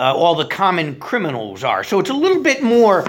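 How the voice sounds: What we hear is a natural reading voice.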